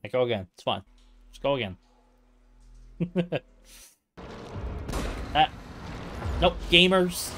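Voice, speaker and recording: A man's voice: a little high, big pitch swings, slow pace, long pauses, a bit bright, slight background noise. A man giving casual live gameplay commentary as a speedrunning streamer, talking to himself in repetitive, sweary bits.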